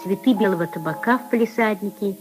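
A woman narrating a classic story in measured, lyrical phrasing. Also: medium pitch. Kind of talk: scripted literary narration. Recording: old radio recording with music.

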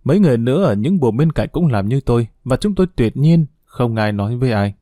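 Somber male audiobook narrator, dark voice. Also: mid-range voice, fast, no room sound, studio quality. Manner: steady, somber reading.

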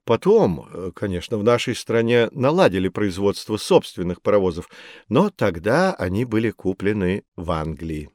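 A man's voice: fairly low pitch, dry recording, studio quality. A middle-aged man playing an expert who patiently explains history to children in a scripted educational audiobook. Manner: calm, patient, measured explaining. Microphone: studio microphone.

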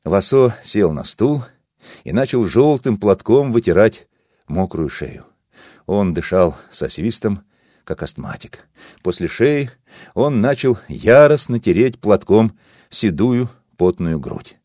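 A man narrating a literary memoir, measured and expressive. His voice sits low but moves widely in pitch, recorded close and dry. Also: no room sound. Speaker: audiobook reader.

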